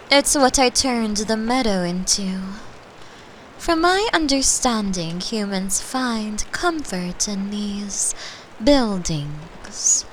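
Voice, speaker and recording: A woman voicing a gentle, lonely extra-dimensional being who comforts a human in an intimate ASMR roleplay, speaking softly and breathily, often dropping into a whisper. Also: medium pitch, a little hiss or hum, poor audio. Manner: soft, breathy, often whispered, soothing and unhurried.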